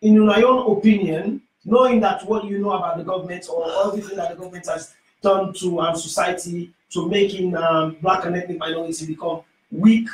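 A middle-aged man with a Sierra Leonean accent hosting a call-in radio talk show, often pausing with "um" as he frames questions in a small studio. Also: high-pitched, fairly even intonation, recorded from a distance. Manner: hesitant, many "um" fillers. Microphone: studio microphone, headphones. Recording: echoey studio from off-mic.

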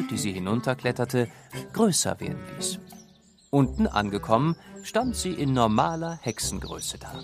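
A man narrating a children's audio drama as a scripted storybook tale, with a gravelly voice. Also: mid-range voice.

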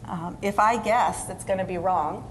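Woman in her forties lecturing from a stage in a chatty way, mid pitch, faint hum behind. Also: normal speed, poor audio. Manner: conversational, with fillers and quoted asides. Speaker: physical therapist giving a conference talk. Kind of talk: conference lecture. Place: conference stage.

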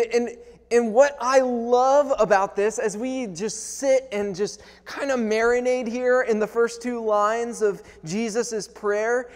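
A man in his thirties preaching a sermon earnestly, often restarting and repeating words as he goes. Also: sits high. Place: large wooden-panelled church, indoors. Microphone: clip-on lapel microphone. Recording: long church hall reverb.

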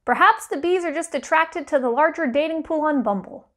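A woman in her thirties co-hosting as a parody news anchor, reading scripted joke headlines with deadpan, mock-serious delivery. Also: sits high, a little fast.

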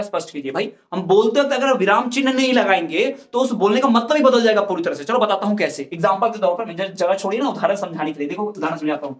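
A man with a rather high voice teaches an exam-preparation class. He explains each point patiently, works through examples and repeats the key terms so students can follow. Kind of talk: exam-prep lecture.

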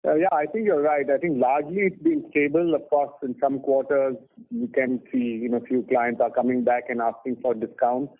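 A man answering analysts as a company executive on an earnings call, speaking off the cuff in a halting way with many "you know"s. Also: medium pitch, fairly even intonation. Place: telephone conference call. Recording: tinny phone-line conference call.

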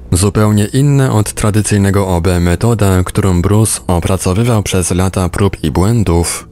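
A man's voice: sits low, a little mellow. A man reading a book aloud as scripted narration for a podcast. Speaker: audiobook reader, podcast narrator.

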